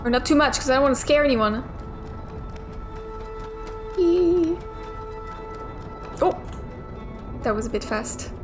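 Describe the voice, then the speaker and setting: A young woman with a high voice and lively intonation speaks slowly, pausing often, as she plays a video game and thinks aloud. Her let's play commentary is casual with occasional swearing, and game music plays clearly behind her.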